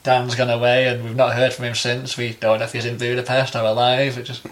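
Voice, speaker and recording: A young man co-hosting a podcast, telling a travel story in a relaxed, self-amused way. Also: mid-range voice, brisk. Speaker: podcast co-host. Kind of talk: casual podcast chat.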